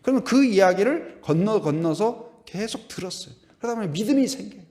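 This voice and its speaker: A man's voice: sits high, a little fast. A middle-aged man preaching a Sunday sermon as pastor, asking the congregation questions and now and then humming or singing a hymn line. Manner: animated, asks the congregation questions, hums and sings hymn lines.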